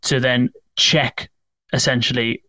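A man's voice: medium pitch, level tone, takes it slowly, pushed and bright, dry recording. A man hosting an interview, asking long, rambling questions. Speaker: podcast host. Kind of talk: conversational interview.

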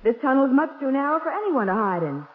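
A woman's voice: high-pitched, big pitch swings, fast talker, narrow, tinny audio. An actress playing a plucky, skeptical woman who assists a private detective in a 1940s radio crime drama. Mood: curious, skeptical. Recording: thin, hissy vintage radio recording.

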